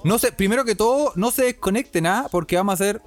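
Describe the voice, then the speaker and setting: A man's voice: high voice, fast talker. A young man with a Chilean accent, co-hosting a casual podcast and telling an anecdote with lots of slang, acting out the voices of people in it. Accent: Chilean Spanish. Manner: animated, acts out voices in anecdotes, heavy slang, frequent laughs. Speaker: podcast co-host. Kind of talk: casual storytelling chat.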